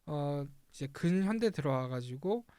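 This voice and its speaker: A male writer, a guest on a radio show, explaining history calmly and often agreeing. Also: on the high side, normal speed, clear, resonant tone, dry recording. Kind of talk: radio interview. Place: radio studio.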